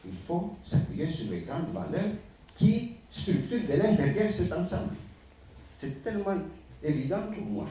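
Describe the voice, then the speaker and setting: A man's voice: mid-range voice, warm tone, a little hiss or hum. A man commenting on a literary panel in a conference hall, emphatic yet hesitating with fillers. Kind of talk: panel discussion. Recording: echoey hall from far off.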